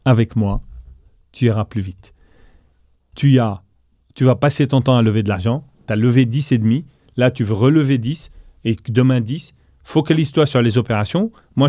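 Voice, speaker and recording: A middle-aged man being interviewed, telling a business story in a lively way and acting out the dialogue he quotes. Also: medium pitch, no echo, clean studio sound. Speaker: guest entrepreneur.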